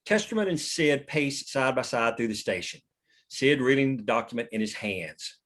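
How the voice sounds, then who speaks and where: A man's voice: mid-range voice, animated, moderate pace, a bit bright. A man reading stage directions as scripted narration at a table read.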